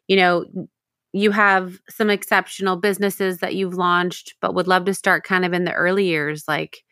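A woman's voice: on the low side, level tone, normal speed, pushed and bright. Upbeat woman hosting a podcast. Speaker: podcast host. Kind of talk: scripted podcast intro and interview.

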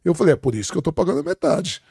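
A middle-aged man with a Brazilian Portuguese accent, animatedly recounting family anecdotes as a podcast guest. His voice sits a little high for a man, and he acts out every quoted line. The sound is dry and close. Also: wildly swooping pitch, racing, creaky, mellow, breathy edge, no room sound. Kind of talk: casual storytelling.

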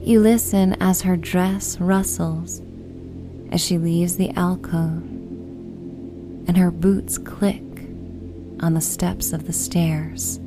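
A woman narrating a bedtime sleep story in a soothing, hushed, unhurried manner. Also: lowish voice, fairly even intonation, over music, rough recording. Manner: soothing, hushed, unhurried guided relaxation delivery.

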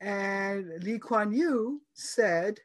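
A woman's voice: medium pitch, lively intonation, very slow. Chatty older woman recalling her past. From Singapore. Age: 70s. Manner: chatty and reflective, many fillers, frequent light laughter. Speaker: interview guest. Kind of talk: conversational interview answers.

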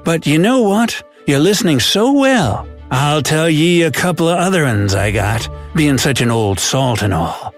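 A man plays an old pirate storyteller, narrating scripted tales of lost treasure in pirate slang with a theatrical drawl and a jolly mood. His voice is a little high with big pitch swings, and he speaks unhurriedly with few pauses. Faint music plays behind him.

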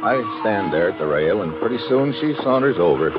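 An actor playing a tough, wry American secret agent in a 1950s radio drama, speaking in a clipped hard-boiled manner. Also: male voice, low-pitched, expressive, brisk. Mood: cool, wry. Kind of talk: 1950s radio drama acting and first-person narration. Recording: muffled old radio recording, music behind.

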